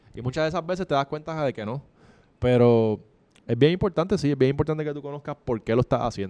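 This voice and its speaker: Speaking at a very fast pace, a man with a Puerto Rican accent has a fairly high pitch, a dark, mellow tone and lively intonation, with a dry, close sound with no echo over a quiet background. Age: 30s. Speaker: fashion designer. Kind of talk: interview.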